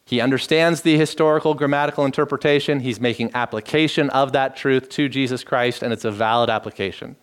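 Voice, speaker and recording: A middle-aged man preaching, teaching in a measured tone and lifting his voice to stress key phrases. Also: medium pitch, fairly even intonation, smooth. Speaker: pastor. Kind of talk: expository sermon.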